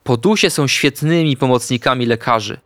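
A man voicing a kind, gentle male badger doctor who speaks in a calm, friendly, reassuring way, for a storybook. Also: mid-range voice, moderate pace, no echo, natural voice. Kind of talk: storybook character voice.

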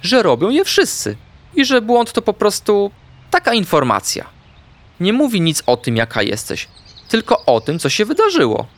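A wise, kind owl teacher from a children's storybook, as a male narrator puts her on. She explains things calmly and patiently, with a raised, very lively, sing-song voice. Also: high-pitched, normal speed, pitched above the performer's own voice. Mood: reassuring.

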